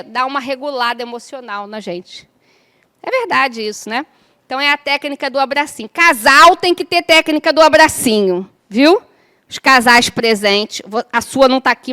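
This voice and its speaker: A middle-aged woman teaches a class in a relaxed, conversational manner. Her voice sits high and bright, and she keeps checking in with her listeners through tag questions. She scatters joking asides through the lesson. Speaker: spiritist course teacher. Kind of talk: informal lecture to a class.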